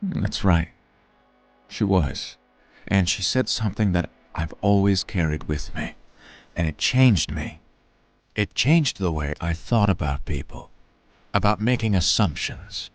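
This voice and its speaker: A man plays a weary veteran of war in an audio drama. His voice sits very low and moves slowly. He is guarded and understated, often halting mid-thought. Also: animated, dry recording. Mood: wistful, fond.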